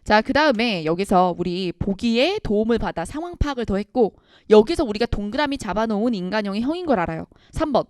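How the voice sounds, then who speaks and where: A woman lecturing on a literature passage for exam prep, animated, reading quoted lines aloud and talking straight to her students. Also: mid-range voice, fairly quick, hardly any pauses, no echo, studio quality. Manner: animated, reads quoted lines aloud with acted emphasis, addresses students directly. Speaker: Korean language exam instructor.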